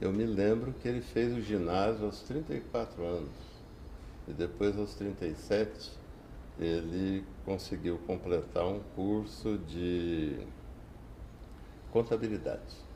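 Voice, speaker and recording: A man with a very deep, low pitch and a dark, mellow tone speaks at a very slow pace with lively intonation and long, frequent pauses. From Brazil, Goiânia. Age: 60s. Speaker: retired appellate judge. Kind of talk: oral history interview. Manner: formal.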